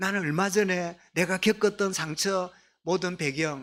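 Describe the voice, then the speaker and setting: A man speaks at a very slow pace in a Gyeongsang accent. The recording is very clean, with a silent background. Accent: Gyeongsang dialect, softer than typical. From Gyeongsang Province, South Korea. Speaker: pastor. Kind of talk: sermon. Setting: church. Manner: conversational, asks the congregation questions.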